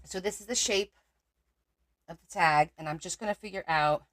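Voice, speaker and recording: A woman from Portugal runs a crafting livestream, chatting casually, musing aloud as she works and answering her viewers' comments. Her lowish voice is a bit bright and moves at normal speed.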